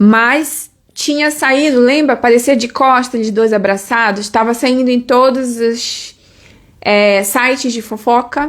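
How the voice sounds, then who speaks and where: At a fairly slow pace, a woman speaks with fairly even intonation and a high pitch. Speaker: tarot reader streamer. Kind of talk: live stream commentary. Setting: live stream. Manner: softened, quieter voice; tends to sound like shouting.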